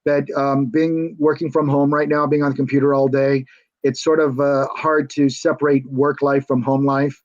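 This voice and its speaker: An American man, a former reality show contestant, chats as a guest over a video call, hesitant and rambling with plenty of fillers and restarts. His voice is medium-pitched and darkish, level in tone, at a normal speed. The recording is dry and muffled.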